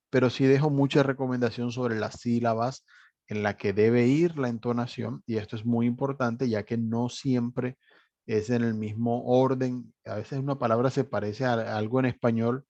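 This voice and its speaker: Man, steady explanatory teacher, dry muffled recording. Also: mid-range voice, no echo. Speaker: English teacher. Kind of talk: online class walkthrough. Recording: dry, slightly dull recording.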